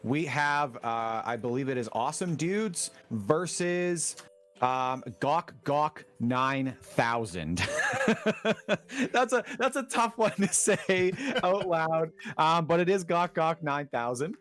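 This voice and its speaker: A man casting an esports tournament in a relaxed, chatty way, full of fillers. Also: a little high, slow, soft background music. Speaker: esports caster.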